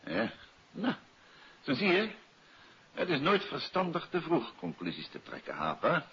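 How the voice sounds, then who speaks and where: A man acting a self-assured, courteous detective in a 1950s radio mystery serial, polite, brisk and composed. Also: a little high, huge pitch swings, fairly bright tone, breathy edge, exaggerated voice. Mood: suave, probing. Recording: hissy, muffled old radio recording.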